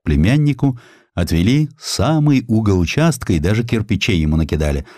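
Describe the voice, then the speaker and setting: Low voiced guy reading a history tale, super animated, dramatic, a bit wry, dry studio. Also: a little fast, dry recording. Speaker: audiobook narrator. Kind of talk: expressive scripted storytelling of historical sketches. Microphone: close studio microphone.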